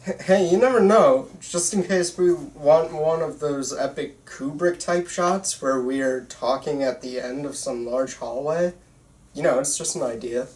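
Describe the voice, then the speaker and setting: Amateur script reader, casual delivery, slight stammer, mid pitch, echoey room. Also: unhurried, a little mellow. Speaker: amateur actor reading the lead part. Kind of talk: table read of a film script.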